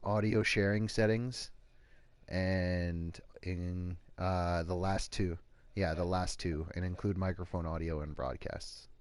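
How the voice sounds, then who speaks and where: Very deep-voiced man, quiet and casual. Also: fairly even intonation, takes it slowly, no echo. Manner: low-key, mumbling, trailing off. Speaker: game streamer. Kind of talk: casual chat while gaming.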